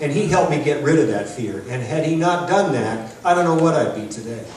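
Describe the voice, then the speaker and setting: Noticeable background noise surrounds the recording. A man's voice carries audible room echo. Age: 60s. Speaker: martial arts master. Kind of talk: panel speech.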